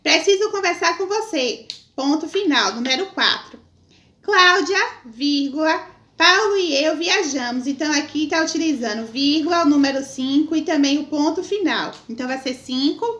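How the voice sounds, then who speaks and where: A Brazilian woman teaching a primary school lesson, dictating phrases and punctuation marks slowly and often checking in with short tag questions. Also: sits high, a bit bright, dull audio. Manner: dictating, reading out slowly and spelling out each mark. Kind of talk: lesson going through punctuation exercises. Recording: roomy, echoing sound.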